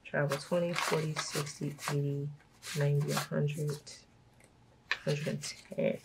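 A woman from Brooklyn, hoarse from a cold, chatting casually and laughing often as she talks through her budget. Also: low voice, little pitch movement, a little slow, heavy background noise. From Brooklyn, New York. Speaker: budgeting vlogger. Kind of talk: casual chat while stuffing cash envelopes.

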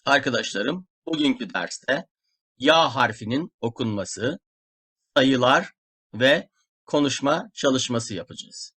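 Guy teaching a language class, super slow and careful, repeats every word. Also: mid-range voice, animated, fairly bright tone. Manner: repeats words slowly and clearly for learners. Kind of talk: slow, deliberate language lesson.

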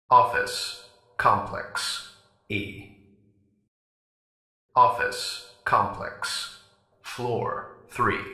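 Impersonal male facility announcer, low gravelly voice, formal and clipped, echoing public address system, video game. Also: pushed and bright, exaggerated voice. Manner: clipped, formal, measured delivery. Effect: public address speaker.

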